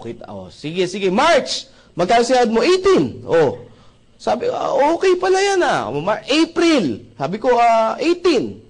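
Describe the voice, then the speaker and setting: A young man from the Philippines giving an animated testimonial at a seminar, acting out conversations and often asking the audience to agree. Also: sits high. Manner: acts out dialogue with shifting voices, asks audience often. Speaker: seminar speaker.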